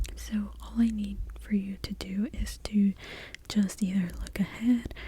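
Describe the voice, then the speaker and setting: A soft-spoken woman whispering over noticeable background noise. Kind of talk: ASMR role-play as an optician's assistant. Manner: soft-spoken, whispering.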